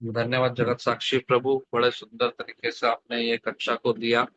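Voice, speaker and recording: A man's voice: mid-range voice, completely flat delivery, moderate pace, a bit bright, no room sound. A man hosting an online devotional session, politely thanking the speaker and announcing what comes next. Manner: polite, gracious. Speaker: session host. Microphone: online video call. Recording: dry, slightly dull online call audio.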